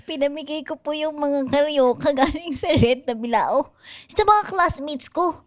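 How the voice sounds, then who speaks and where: A woman's voice: sits high, measured pace. A woman playing a polite, eager, chattering young girl in an improvised radio drama. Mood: earnest, polite.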